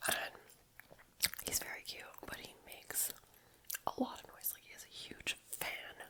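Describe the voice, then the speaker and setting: A woman whispers amid noticeable background noise. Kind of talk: ASMR gum chewing and rambling, casual talk to camera. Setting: lo-fi Apple mic recording at home. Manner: soft whispering, cozy.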